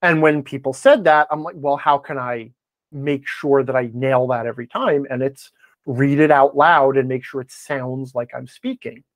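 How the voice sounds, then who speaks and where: A man's voice: mid-range voice, normal speed, no echo. A man talking casually as a podcast guest, rambling along and quoting himself with self-deprecating humor. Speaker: podcast guest, game advice blogger. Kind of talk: casual conversational interview talk.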